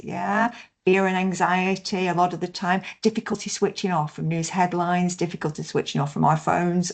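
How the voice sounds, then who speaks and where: Female workshop trainer, heard over a video conference call, lower-pitched, measured delivery with frequent tag questions. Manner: steady explanatory delivery, frequent "yeah?" checks. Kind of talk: online training session.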